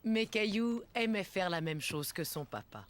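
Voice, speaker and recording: A woman as the gentle storytelling narrator of a French-language children's cartoon, reading scripted narration. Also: mid-range voice, lively intonation, moderate pace, faint music behind, natural voice.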